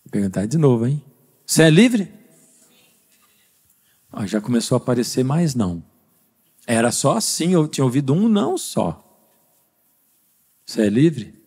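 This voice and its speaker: A man's voice: medium pitch, sing-song, moderate pace, long pauses, darkish tone, breathy edge. A man with a Brazilian Portuguese accent preaching a sermon as pastor, speaking conversationally and quizzing the congregation with rhetorical questions. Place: church service.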